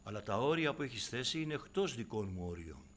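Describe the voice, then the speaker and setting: A man preaching a sermon to his congregation, dropping to hushed asides and then rising into loud, impassioned exhortation. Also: mid-range voice, sing-song, a little hiss or hum. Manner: keeps addressing listeners as brothers and sisters.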